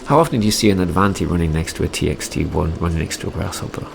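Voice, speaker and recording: A man in his forties from Derby, England, with a Midlands English accent softened by many years abroad, chatting in a rambling way with lots of ums and restarts as a hobby vlogger's voice-over. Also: low voice, rapid-fire, gravelly, background noise. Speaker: RC hobby YouTuber. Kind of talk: casual voice-over commentary.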